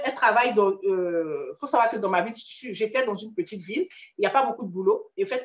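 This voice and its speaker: A woman's voice: mid-range voice, roomy sound. A woman with an Ivorian accent giving a chatty career-coaching talk, speaking directly to the listener with frequent restarts. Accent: Ivorian French. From Ivory Coast. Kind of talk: casual motivational talk.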